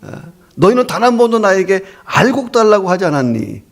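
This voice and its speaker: A man's voice: high-pitched, big pitch swings, brisk, vocal fry, voice pushed up, heavily acted. God as a plainspoken father figure, voiced by a preacher. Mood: teasing. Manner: plainspoken, teasing rebuke. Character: God, calm and amused, answering farmers.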